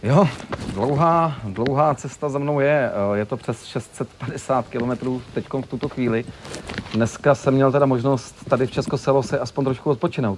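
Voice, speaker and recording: At a fairly slow pace, a man of medium pitch talks with ordinary pitch variation amid noticeable background noise. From South Moravia, Czech Republic. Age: 30s. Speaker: charity walker. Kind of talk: interview.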